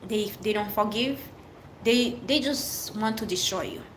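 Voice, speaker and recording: A woman's voice: medium pitch, a little slow, fairly bright tone, slight background noise. A middle-aged woman from Haiti with a French accent, chatting openly and earnestly on a livestream, answering viewers in short, restarting phrases. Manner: open, earnest, speaks in short fragments with restarts. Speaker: livestream host.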